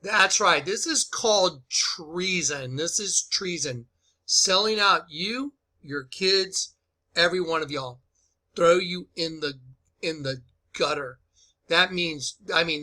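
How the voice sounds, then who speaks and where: Slow, bright, forceful male commentator. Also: on the high side. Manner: emphatic, repetitive, accusatory. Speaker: video host and commentator. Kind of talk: informal opinionated commentary.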